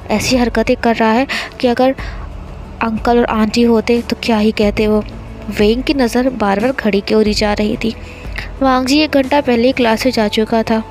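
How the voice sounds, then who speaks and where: A woman's voice: on the high side, low-quality recording. Woman narrating a fanfiction story.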